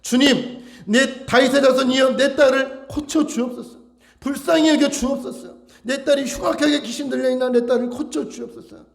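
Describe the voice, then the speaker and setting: A man's voice: extremely high pitch, steady tone, normal speed, vocal fry, echoey room, pitched above the performer's own voice. A man voicing a desperate mother crying out. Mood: pleading. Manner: fervent, crying out in pleading. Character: desperate mother pleading for her sick daughter.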